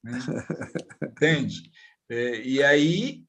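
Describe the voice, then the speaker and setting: A man, talking in a casual panel conversation, blunt and profane, telling animated stories. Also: mid-range voice, very slow.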